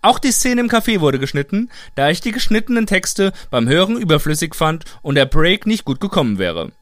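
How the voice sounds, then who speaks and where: A man's voice: a little high, big pitch swings, a little fast, fairly bright tone, dry recording, clean studio sound. A man giving informal explanatory commentary as the maker and presenter of an audio drama.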